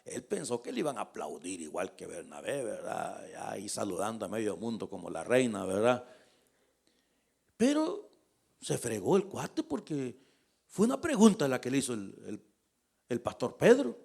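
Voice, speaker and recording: A man preaching a lively, conversational sermon as pastor. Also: on the low side, moderate pace, gravelly, husky.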